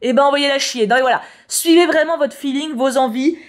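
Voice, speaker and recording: A woman's voice: high-pitched, a little fast. A woman chatting casually as she reads tarot horoscopes, slangy and prone to repeating words. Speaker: YouTuber reading tarot horoscopes. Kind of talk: casual chat.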